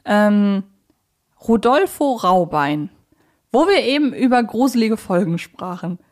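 A woman speaks in at a middle pitch, as co-host of a casual fan podcast. She talks conversationally and works out her thoughts as she goes. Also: very animated, unhurried, darkish tone.

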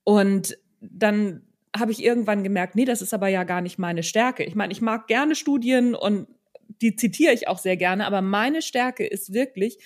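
A woman's voice: medium pitch, normal speed. A middle-aged woman hosting a conversational interview, speaking in an easy chatty way and often tagging little questions onto her sentences. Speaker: podcast host and non-fiction author. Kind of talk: casual conversational chat.

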